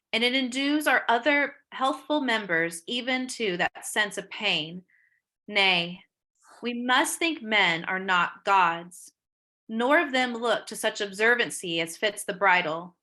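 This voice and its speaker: A woman reading the part of a gentle, troubled young noblewoman in Shakespearean verse, earnest and expressive. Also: medium pitch. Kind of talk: Shakespeare read-aloud, dramatic verse.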